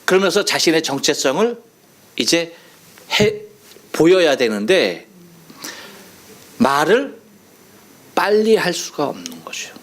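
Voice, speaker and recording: A male pastor with a Chungcheong accent delivers a Sunday sermon, slipping into playful imitations of dialect phrases. His voice sits a little high and swings widely in pitch as he tells his stories. He preaches in a church sanctuary. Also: sing-song, slow, long pauses, a bit bright. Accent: Chungcheong Korean. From Chungcheong, South Korea. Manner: playful storytelling, mimicking dialect phrases with laughter.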